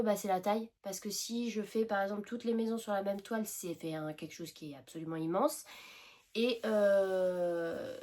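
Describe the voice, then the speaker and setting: Woman, French accent, hesitant casual vlog chat, lots of fillers, mid pitch, tickly nose. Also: a little mellow. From France. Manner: hesitant, many fillers and restarts. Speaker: cross-stitch vlogger.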